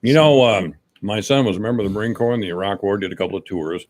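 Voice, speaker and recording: A man's voice: lowish voice, quick pace. A middle-aged man hosting a casual radio interview, asking questions in a folksy, chatty way. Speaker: radio host. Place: radio studio. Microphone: studio microphone.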